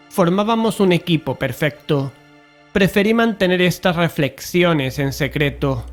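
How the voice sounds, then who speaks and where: An actor with an accent from Spain playing a self-assured, conceited investigator, speaking formally and precisely in an audio drama. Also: male voice, a little high, natural voice. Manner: formal, pompous, precise wording. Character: Mario, self-assured, conceited male investigator leading his friends. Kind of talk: Spanish audio drama acting and first-person narration.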